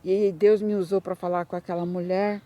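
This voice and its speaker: A woman's voice: fairly low pitch, level tone, moderate pace, dark tone. A woman with a Brazilian Portuguese accent giving a Christian testimony, telling her story in an emotional, repetitive way that rises into fervent bursts.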